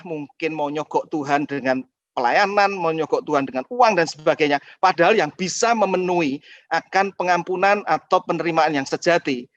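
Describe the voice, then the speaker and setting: Storytelling pastor, fairly high voice. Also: male voice, no room sound, lo-fi sound. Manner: lively storyteller addressing the congregation. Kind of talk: teaching sermon in a webinar.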